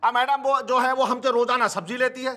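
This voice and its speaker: A man's voice: extremely high pitch, fairly even intonation, a little fast, fairly bright tone. An actor playing a whiny, earnest male vegetable seller, complaining to the police in a sing-song way in a TV sitcom. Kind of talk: sitcom acting.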